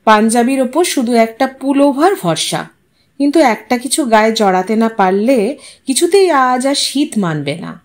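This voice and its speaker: A woman's voice: a little high, expressive, unhurried. A woman storyteller giving a scripted, dramatic narration of a short story.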